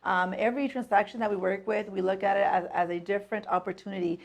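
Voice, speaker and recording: A woman's voice: medium pitch, fairly even intonation, quick pace. A woman from San Jose, California, a mortgage loan officer co-hosting a casual podcast, speaking in a friendly, earnest way. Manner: friendly, earnest, uses "um" often.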